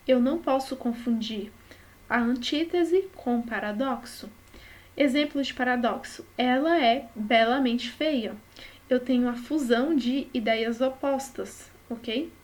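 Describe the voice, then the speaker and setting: Her voice high-pitched and a little slow, a woman with a Brazilian Portuguese accent explains a study lesson patiently, frequently pausing to check understanding with brief tag questions.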